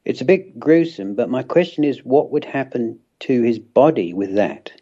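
A man's voice: mid-range voice, expressive, normal speed, dark tone, husky. A man asking a wry, joking question in a recorded voice message played on air. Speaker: listener sending a question. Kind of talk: recorded voice note. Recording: dull lo-fi voice message.

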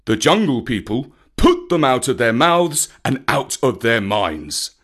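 A wise old bear from a storybook, as a male reader puts him on, lecturing with slow, weighty emphasis. His voice swoops up and down as he stresses each warning, measured and unhurried. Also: mid-range voice, big pitch swings, fairly bright tone. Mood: stern, solemn. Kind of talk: storybook reading.

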